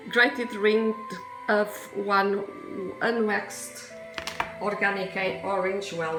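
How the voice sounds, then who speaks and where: A woman's voice: mid-range voice, creaky. A woman from Portugal with a Portuguese accent, chatting casually through a home cooking demonstration, rambling into asides with frequent hesitations. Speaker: home cook. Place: home kitchen. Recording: echoey kitchen with music behind.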